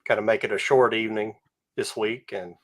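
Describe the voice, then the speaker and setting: A man hosting a podcast, winding down the show with easygoing, halting talk. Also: on the low side, fairly even intonation, fairly bright tone. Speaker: podcast host. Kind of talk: casual chat.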